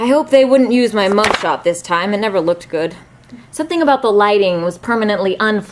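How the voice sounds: Lively intonation marks a natural reading voice.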